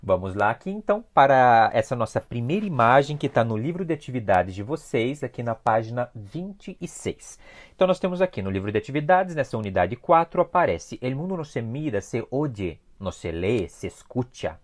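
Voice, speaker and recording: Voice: medium pitch, very animated, normal speed. A teacher with a Brazilian Portuguese accent gives an online review class. They explain step by step, repeat key points and often stop to check in with a questioning "sim?". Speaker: Spanish teacher.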